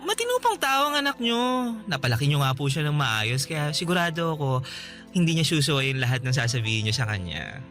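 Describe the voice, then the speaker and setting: A man playing a polite, gentle, self-effacing gay salon owner in a Filipino radio drama. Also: fairly high pitch, very animated, a little fast, soft background music. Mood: placating, polite.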